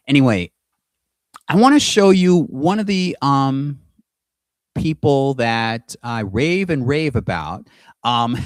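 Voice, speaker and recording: A middle-aged man talking to camera in a casual monologue, halting often with restarts and pauses while he shares his screen. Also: medium pitch, no echo, studio quality. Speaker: aspiring singer and video host. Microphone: computer mic with screen sharing.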